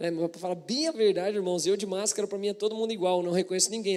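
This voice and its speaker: His pitch is high for a man. The intonation stays fairly even. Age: 40s. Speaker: pastor. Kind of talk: sermon. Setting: church. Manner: fast.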